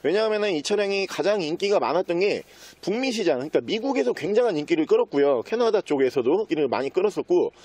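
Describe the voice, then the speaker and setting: A man giving a used car sales walkaround in smooth, practised salesman patter. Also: sits high, a little mellow. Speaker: used car dealer presenting a car.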